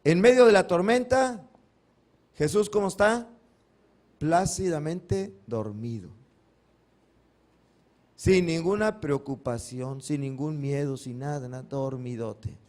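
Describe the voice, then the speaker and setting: A man's voice: fairly high pitch, slow pace, pauses often, darkish tone. Male pastor, preaching a Sunday sermon with questions and dramatic retellings. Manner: asks the congregation questions and answers them himself; acts out biblical cries dramatically.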